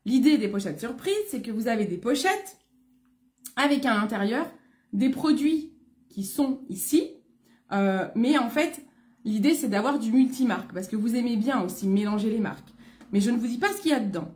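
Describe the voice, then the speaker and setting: A woman's voice: on the high side, animated, normal speed, a little mellow. A French woman hosting a casual live stream as a beauty consultant, chatty and greeting viewers by name, with a throat congested from a coming cold. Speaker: beauty consultant selling online.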